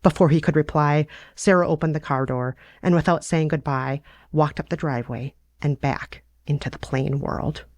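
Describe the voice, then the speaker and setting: A woman podcaster with noticeable vocal fry. She moves between story narration and casual, self-deprecating chat, recorded in a very dry space with no room sound. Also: low voice, steady tone, normal speed, hardly any pauses, a little mellow, dry recording. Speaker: podcast host reading her own novella.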